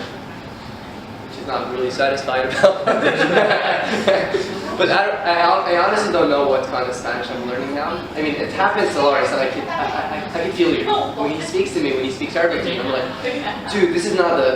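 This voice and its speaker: Man, co-host, casual chat, slightly high voice, laughs often, distant mic, noisy background. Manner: chatty, laughs often, fillers. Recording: echoey room, far mic, noisy.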